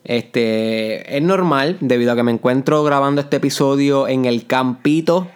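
A man's voice: medium pitch, measured pace, smooth. A young man from Puerto Rico with a Puerto Rican accent, hosting his own motivational podcast in an earnest, explanatory way, slipping English words into his Spanish. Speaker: podcast host. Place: parents' house in the countryside. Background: neighbor's old music and roosters.

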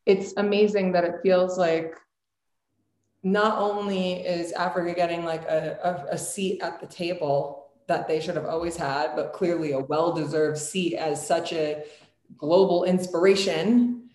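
A woman's voice: on the low side, fairly even intonation, unhurried, darkish tone. A woman hosting a podcast in casual, enthusiastic and emphatic chat, peppering her sentences with filler words. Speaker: podcast host. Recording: echoey room.

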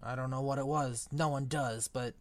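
A man playing a big, gruff but kindly half-giant groundskeeper who talks in blunt, folksy, ungrammatical speech. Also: medium pitch, steady tone, moderate pace, a crowd in the background, close to an everyday voice. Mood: musing. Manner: rough folksy grammar, blunt. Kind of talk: audiobook character reading.

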